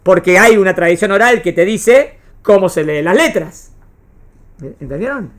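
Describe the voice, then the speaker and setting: In an animated, mid-range voice at a moderate pace, a Rioplatense-accented woman gives a lecture to her religious studies class. She keeps pausing to ask whether everyone has understood.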